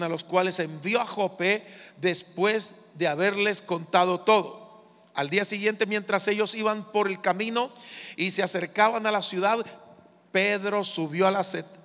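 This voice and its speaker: A male pastor preaching a sermon in a measured, emphatic way, asking the congregation to repeat phrases after him. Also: high-pitched, a bit bright. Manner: measured, emphatic preaching with call-and-response prompts. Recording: long reverb of a large hall.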